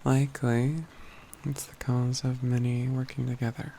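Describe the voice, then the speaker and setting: A man's voice: medium pitch, little pitch movement, vocal fry, mellow, slight background noise, close to an everyday voice, low-quality recording. A man playing a composed, learned mage companion in a fantasy ASMR roleplay, speaking in formal, old-fashioned phrasing with a dry, teasing wit. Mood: thoughtful, explaining. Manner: measured, formal old-fashioned wording, dryly wry.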